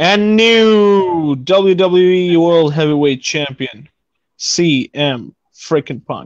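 A man talks at a very slow pace, his pitch high with ordinary variation. The background is quiet and the sound is dry with no echo. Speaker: wrestling personality; live show host. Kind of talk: casual live stream chat. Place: home room. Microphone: earbuds.

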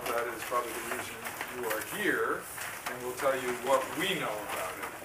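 Loud background noise behind a man's moderate pace. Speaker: community meeting moderator. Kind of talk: meeting opening remarks. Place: meeting room. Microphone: camera far.

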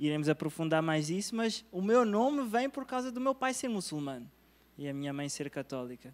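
A man speaks with a European Portuguese accent. His pace is moderate. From Portugal. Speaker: lay missionary; guest. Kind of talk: testimony. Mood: calm, earnest. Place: studio. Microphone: handheld.

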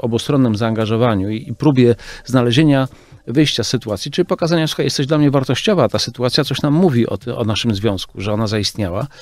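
Recorded dry and close with no echo, a man talks at a very fast pace with lively intonation. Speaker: radio host. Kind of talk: radio talk show. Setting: radio studio. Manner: formal, polite.

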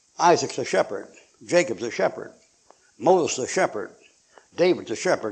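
A man's fairly high voice with vocal fry and very wide pitch swings, at a moderate pace with long, frequent pauses. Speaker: preacher. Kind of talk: sermon.

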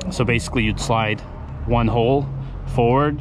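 Music plays in the background as a man speaks at a moderate pace, his voice dry with no echo. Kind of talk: tutorial. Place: street. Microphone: phone near.

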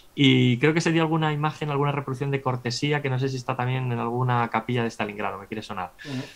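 Talking very fast, a man keeps his medium-pitched voice fairly even in intonation. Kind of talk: informal interview explanation. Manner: fluent, explanatory.

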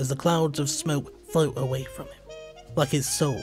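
Background music accompanies the man. His pace is moderate. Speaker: blind poet. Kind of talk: spoken word poetry performance.

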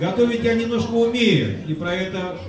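A man's voice comes with audible room echo. Noticeable background noise runs behind it. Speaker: charity event host and auctioneer. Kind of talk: live charity event hosting with auction. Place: bar.

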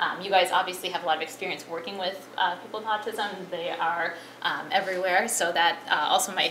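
With fairly even intonation, a woman talks at a fairly quick pace amid audible room echo and light background noise. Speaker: behavior analyst giving guest lecture. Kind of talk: lecture. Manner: loud; many filler words. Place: classroom. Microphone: lapel.

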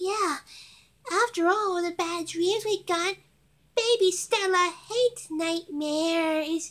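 In a cartoonish character voice at an extremely high pitch, a woman speaks at a fairly slow pace with long, frequent pauses. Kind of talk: cartoon character voice.

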